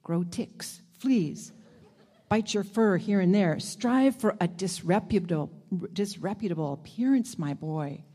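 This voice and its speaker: An earnest mother dog urges her pup to stay safe, voiced by a woman reading aloud. The pitch stays in a middle range, and the tone is plain and pressing. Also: a little slow, mellow, natural voice. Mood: urging. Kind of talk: reading quoted speech in a story.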